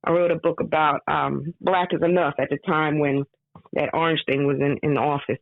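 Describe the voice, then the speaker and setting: A woman author with a hoarse voice, talking casually in an interview and getting animated when she stresses a point. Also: fairly quick, no room sound. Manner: animated, rising pitch when emphatic. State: hoarse from screaming. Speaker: author guest. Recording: tinny phone line.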